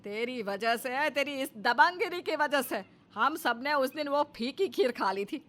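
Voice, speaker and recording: A woman's voice: high voice, expressive, measured pace, a bit bright. A woman voicing a grumbling, dramatic elderly mother-in-law in a cartoon story, scolding with theatrical sighs.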